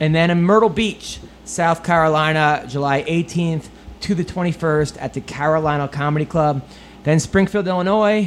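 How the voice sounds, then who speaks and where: A plain, everyday voice from a man, moderate in pace and fairly high in pitch, with ordinary pitch variation. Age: 40s. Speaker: podcast host and comedian. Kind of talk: casual chat. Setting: studio.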